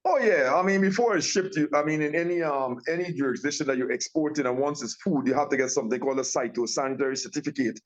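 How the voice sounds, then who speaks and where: A man's voice: on the high side, fast talker, few pauses. A man from Guyana talks as an interview guest over a remote call. His speech rambles, with many restarts and fillers. The audio is muffled and lo-fi. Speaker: guest, tea company owner. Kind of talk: casual interview talk.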